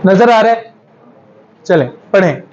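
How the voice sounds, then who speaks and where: A male English pronunciation teacher, correcting students and repeating words slowly to drill stress in a classroom. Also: sits high, expressive, a little mellow, muffled recording, a little hiss or hum. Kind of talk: classroom lesson.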